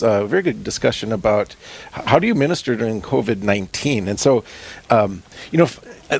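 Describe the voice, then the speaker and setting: A man co-hosting a Catholic radio talk show, interviewing a guest with many fillers. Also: fairly low pitch. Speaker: radio co-host, priest.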